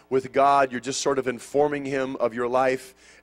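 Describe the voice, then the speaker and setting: A man's voice is heard. He talks at a fairly quick pace. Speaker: preacher. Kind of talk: sermon. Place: church. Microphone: handheld.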